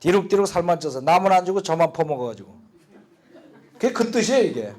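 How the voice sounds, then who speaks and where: A man's voice: sits high, very animated, fast, a little mellow. An older man teaching an English speaking lesson from Bible verses, joking and repeating words for the class to drill.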